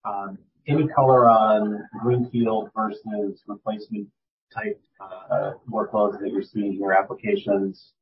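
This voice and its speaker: A man asking polite, halting questions as an analyst over a video call, his audio carrying an echo. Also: fairly low pitch, flat delivery. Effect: echo on his audio line. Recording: muffled echoey call audio.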